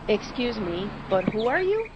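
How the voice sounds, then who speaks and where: A woman's voice: fairly high pitch, sing-song, normal speed, heavy background noise. A woman playing a polite, plainspoken, homely neighbor in a radio drama. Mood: puzzled. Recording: slightly muffled audio.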